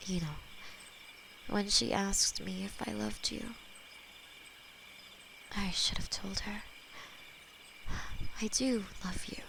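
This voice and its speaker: Slow, gravelly-whispered demon girlfriend, as a woman voices her, possessive and tender, crickets chirping behind. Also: mid-range voice. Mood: devoted. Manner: soft intimate whispering, halting. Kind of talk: ASMR audio roleplay. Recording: steady cricket and night noise behind.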